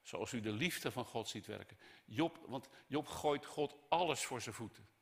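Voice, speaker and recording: Passionate preacher in a reverberant hall. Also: male voice, mid-range voice, animated, normal speed, vocal fry. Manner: passionate, swings between loud outbursts and quiet intimacy. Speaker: pastor. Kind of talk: sermon.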